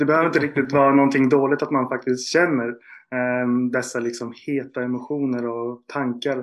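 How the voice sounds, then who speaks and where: Monotone, flat intonation from a man at a moderate pace. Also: medium pitch for a man. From Stockholm, Sweden. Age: 30s. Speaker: sports psychology consultant. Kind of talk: casual chat.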